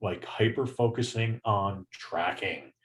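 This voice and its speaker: A somewhat breathy man's voice at a medium pitch. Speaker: bird photography tour guide. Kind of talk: casual chat. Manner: soft-spoken.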